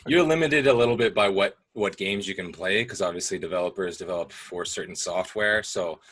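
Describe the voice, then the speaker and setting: A young man casually explaining gaming on a call, relaxed and explanatory, with plenty of fillers. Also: low-pitched, slightly rough. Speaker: guest speaking about gaming. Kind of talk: casual video call discussion.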